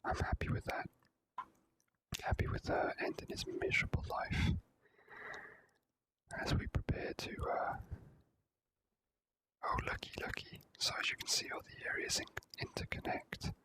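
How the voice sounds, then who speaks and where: A person whispering relaxed, unhurried ASMR commentary while playing a video game. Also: very high-pitched, poor audio.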